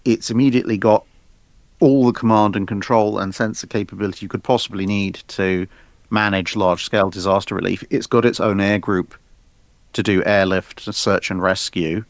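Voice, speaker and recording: A man's voice: fairly low pitch, steady tone, moderate pace, no echo. A man on a livestream panel giving a casual expert explanation, articulate and methodical as he lists points.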